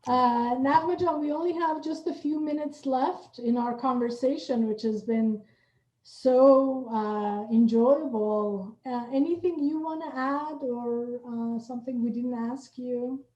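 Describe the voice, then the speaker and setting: A woman talks as the host of a conversation about theater. Her voice is a little high with a soft, mellow tone, and she phrases things deliberately with some hesitation. The sound is roomy and slightly muffled. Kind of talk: conversational interview. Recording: roomy, dull lo-fi audio.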